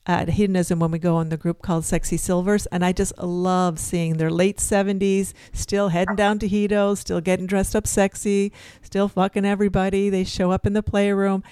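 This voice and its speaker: Woman podcast host, smooth lowish voice, dry close sound, super upbeat and blunt. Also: level tone, dark tone, dry recording. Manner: enthusiastic, frank, quick affirmations. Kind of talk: casual interview hosting.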